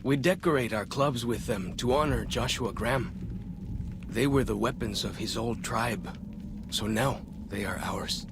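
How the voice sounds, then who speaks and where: A man's voice: mid-range voice, measured pace, noisy background, lightly acted. An actor playing a plainspoken young male tribal scout in a video game. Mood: earnest. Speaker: game character.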